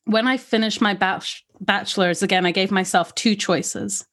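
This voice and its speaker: A woman who grew up in Africa, with an accent that mixes American, British and Scottish traces, telling her life story lively in an interview and laughing often. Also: mid-range voice, moderate pace. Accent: mixed, with American, British and Scottish traces. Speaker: podcast guest. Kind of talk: conversational interview.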